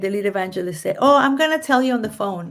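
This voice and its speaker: The recording is very clean with a silent background as a woman speaks with a Spanish accent and ordinary pitch variation. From Mexico. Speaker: former ministry leader. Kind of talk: testimony. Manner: halting.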